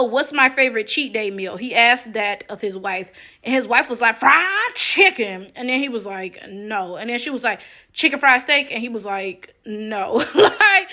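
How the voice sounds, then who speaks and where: A woman's voice: a little high, pushed and bright. A woman gives casual online commentary in a sassy, incredulous, emphatic manner.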